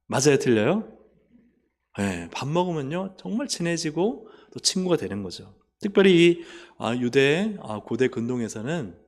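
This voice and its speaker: A man preaching a sermon as pastor, asking the congregation questions and answering them himself, swinging from loud urging down to soft, low asides. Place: church sanctuary.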